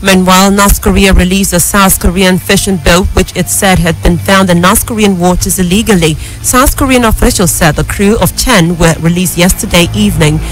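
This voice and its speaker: A woman with a Nigerian accent reads scripted radio news as an anchor, in a formal, measured way. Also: on the low side, soft background music, rough recording. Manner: formal, measured newsreader delivery.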